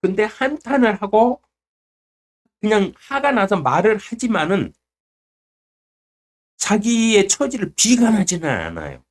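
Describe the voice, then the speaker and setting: A man preaching through a Bible study with a voice that swings widely up and down. His tone is blunt and colloquial, with some coarse words slipped in, and he acts out arguments in quick back-and-forth exchanges. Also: high-pitched, very animated. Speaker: Bible teacher.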